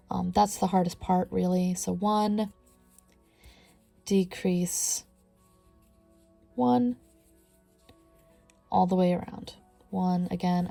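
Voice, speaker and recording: A woman with a stuffy nose teaching a crochet tutorial, counting stitches aloud and often sinking to a soft near-whisper. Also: on the low side, creaky. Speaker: crochet instructor. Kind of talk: step-by-step craft tutorial.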